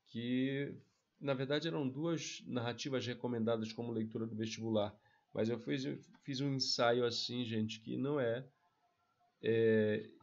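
A man's voice: medium pitch, lo-fi sound. A man in his forties from Pará, Brazil, casually presenting his books to camera from a home study, with frequent tag questions. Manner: chatty, frequent tag questions, warm asides. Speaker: author and literature researcher. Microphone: small desk mic in front.

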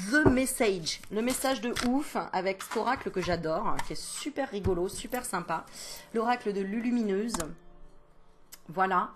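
A chatty woman, a medium, giving a casual oracle card reading straight to the viewer, laughing often and reading the card messages aloud slowly. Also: mid-range voice, a little hiss or hum.

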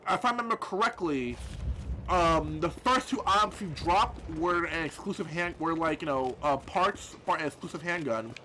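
A man's voice: a little high, moderate pace, sharp tone, slight background noise. A man with a lisp giving rambling, swearing commentary over a horror game, often restarting his sentences. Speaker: gameplay commentator. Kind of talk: let's play commentary.

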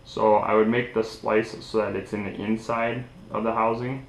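A man's voice: fairly low pitch, flat delivery, normal speed. A young man giving a casual, informal hands-on tutorial, sitting at a table indoors. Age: young adult. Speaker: DIY tutorial host. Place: small indoor room at a table. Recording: echoey room.

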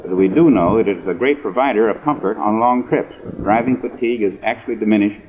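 An American man speaking formally and deliberately as an expert guest in a 1950s radio interview. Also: on the low side, background noise. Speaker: guest surgeon. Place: convention hall radio interview. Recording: muffled phone-like 1950s radio recording.

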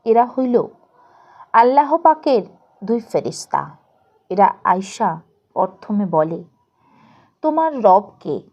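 A woman's voice: mid-range voice, animated, takes it slowly, pauses often, muffled recording. A woman voicing a talkative, pious poor husband who explains things in colloquial rustic dialect in an audio story. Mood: preachy, earnest.

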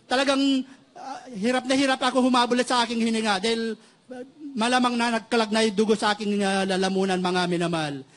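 A man with a strikingly high voice gives a church testimony in a halting way, restarting words and pausing to address his listeners fondly. He is middle-aged and from the Philippines. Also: little pitch movement, fairly bright tone. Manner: halting, repeats "mga minamahal" constantly, many restarts. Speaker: church member giving testimony.

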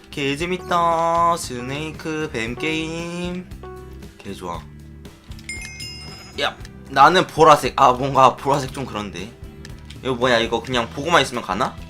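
A man giving excitable play-by-play commentary on his Minecraft minigames, often chanting and shouting as he plays. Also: a little high. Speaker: gaming YouTuber.

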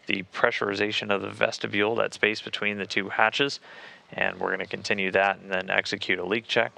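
An American man giving live spaceflight commentary from mission control in a measured, matter-of-fact, procedural manner, like a space communicator. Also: on the low side, gravelly, pushed and bright.

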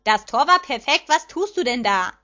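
A woman voicing rowdy male fans loudly cursing a referee. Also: high-pitched, expressive, normal speed, lo-fi sound. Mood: angry. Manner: loud ranting.

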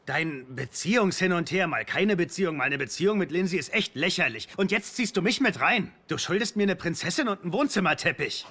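An actor in a dubbed sitcom playing a brash, blunt housemate, sarcastic and easily exasperated. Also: male voice, high voice, animated, brisk, few pauses, sharp tone, full character voice. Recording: noisy sound with clicks.

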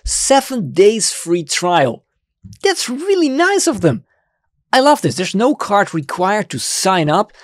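A man in his thirties whose first language is Dutch, hosting a screen-recorded software tutorial with lively enthusiasm, on a studio microphone in a home studio. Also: slightly rough, dry recording. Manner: enthusiastic, quick swings between excited highs and low asides. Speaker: web design tutorial host. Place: home studio room with colored lights. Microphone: studio mic on stand in front.

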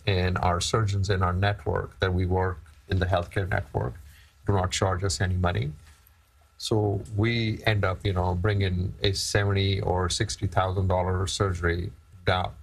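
A middle-aged man speaks as a studio guest, explaining in plain steps. His voice is very low with a gravelly fry and a husky edge. He is on a lapel mic. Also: rough recording. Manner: plain explanatory, some fillers. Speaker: guest, charity founder. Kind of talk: live TV interview. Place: TV studio set.

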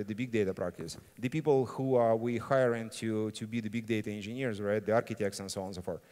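A man's voice: mid-range voice, a little mellow, smooth. Non-native English-speaking man in a reverberant hall. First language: not English. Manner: blunt, informal, often tagging sentences with "right?". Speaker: conference keynote speaker. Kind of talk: informal tech conference talk. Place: on stage in a large conference hall. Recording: reverberant hall sound system.

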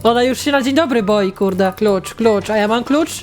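A young woman hosting a gaming channel, giving excitable casual commentary as she plays, swearing at the game and talking to her viewers. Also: fairly high pitch, moderate pace, soft background music.

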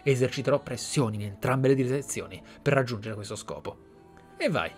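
A man's voice: medium pitch, fairly quick. Italian man narrating a game, faint music. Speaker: gaming video host. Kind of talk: narrated playthrough, reading game text and commenting.

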